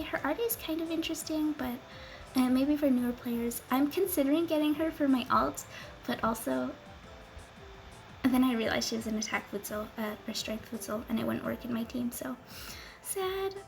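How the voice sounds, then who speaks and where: A young woman chatting casually through a game walkthrough, giggly and full of ums, her voice going hoarse as she loses it. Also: sits high, moderate pace, darkish tone. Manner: chatty and giggly, gushing over cute characters, many ums. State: losing her voice, coughing. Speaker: gaming video creator. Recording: faint music underneath.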